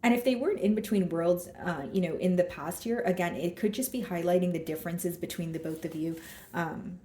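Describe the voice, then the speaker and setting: A woman giving a casual tarot reading with a hoarse, scratchy throat, thinking aloud as she draws cards and talks straight to her viewers. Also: fairly low pitch, brisk, mellow, echoey room. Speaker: tarot card reader.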